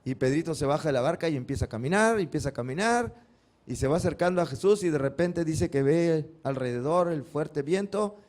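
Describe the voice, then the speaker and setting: A male pastor preaches a Sunday sermon in a brisk, animated voice that's a little high with a darkish tone. He asks the congregation questions and answers them himself, and dramatically acts out the cries from biblical retellings.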